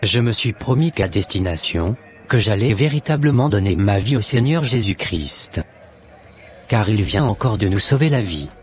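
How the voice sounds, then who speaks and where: Man acting low-voiced earnest Christian brother. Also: animated, moderate pace, faint music behind, lightly acted. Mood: relieved, thankful. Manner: preachy, formal. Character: earnest born-again Christian man, solemn and exhorting. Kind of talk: amateur Christian cartoon dialogue.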